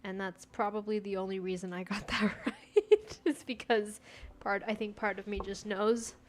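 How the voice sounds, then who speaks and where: At a medium pitch and a moderate pace, this young woman streams a game and keeps up a chatty flow, talking to herself as she plays. She's a US-based gaming streamer with Persian as her first language, mixing casual gameplay chat with replies to viewer chat.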